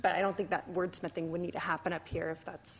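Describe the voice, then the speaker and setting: A woman's voice: fairly low pitch, little pitch movement, fast talker, gravelly, lo-fi sound, slight background noise. A woman speaking as a council member at a public meeting, polite and hedging, with frequent restarts.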